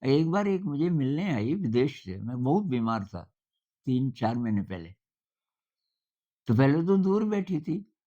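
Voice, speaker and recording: An older man talks informally at a middle pitch, in a conversational, storytelling manner with thoughtful pauses. The recording sounds somewhat dull and lo-fi. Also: warm tone. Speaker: speaker giving a talk on simplicity. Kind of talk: informal spoken talk.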